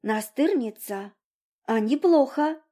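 A woman voicing a cheeky, blunt young girl, loud and high. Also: fairly even intonation, measured pace. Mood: defiant. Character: brash defiant sick young girl.

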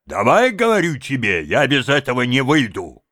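A man voicing a blustering, loud-mouthed middle-aged bully who shouts and rants. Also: fairly high pitch, sing-song, normal speed, vocal fry, no echo, clean studio sound, voice pushed up, exaggerated voice. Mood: demanding. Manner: shouting, ranting.

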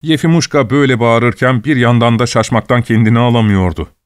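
A man's voice: mid-range voice, no room sound. Man narrating an audiobook, dry close sound. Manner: steady, measured reading.

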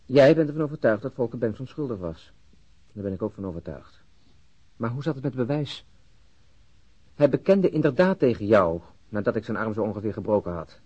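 An actor playing a weary, outspoken and sardonic police detective in a radio drama, with a husky voice. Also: male voice, medium pitch, sing-song, brisk. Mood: insistent, argumentative. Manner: argumentative, sardonic. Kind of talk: Dutch-language radio play acting. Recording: dull, muffled lo-fi audio.

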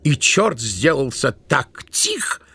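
A man narrating a literary tale in an expressive, theatrical storytelling style. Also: mid-range voice, slow pace, slightly rough. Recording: music behind the narration.

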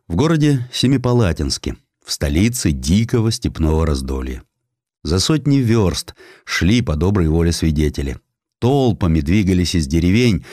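Deep, expressive male dramatic narrator. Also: dry recording, clean studio sound. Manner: theatrical, measured with weighty pauses. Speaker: narrator, audiobook performer.

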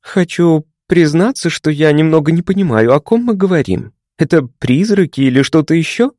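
A man's voice: fairly high pitch, expressive, moderate pace, dark tone, dry recording, clean studio sound, pitched above the performer's own voice, natural voice. A man voicing a polite, curious young woman psychiatrist who asks careful questions.

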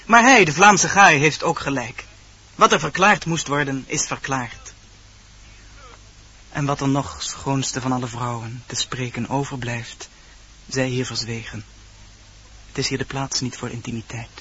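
A man's voice: medium pitch, steady tone, unhurried, pauses often, sharp tone, slightly rough. A man playing an ardent, courtly young prince in a radio play, declaiming verse solemnly and poetically. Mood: courteous. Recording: dull old radio recording. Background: music.

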